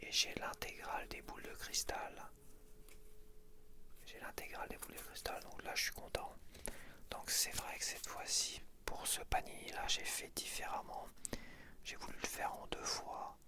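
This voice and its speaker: A man whispering gently throughout an ASMR video, chatting and slowly counting aloud as he sorts stickers. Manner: soft unvoiced whisper throughout. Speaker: ASMR creator. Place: home setup with softbox lighting.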